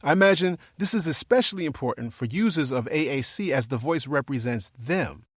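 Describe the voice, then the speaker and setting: A man hosting a podcast and interviewing a guest in a calm, thoughtful way. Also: mid-range voice, brisk, husky, no echo, studio quality. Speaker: podcast host.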